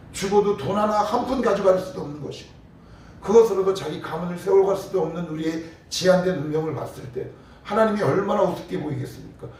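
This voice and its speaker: A man's voice: sits high, darkish tone. A middle-aged man preaching a morning prayer sermon, asking his congregation questions in a conversational way. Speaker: pastor. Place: church sanctuary. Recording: echoey church from a distance, faint background hum.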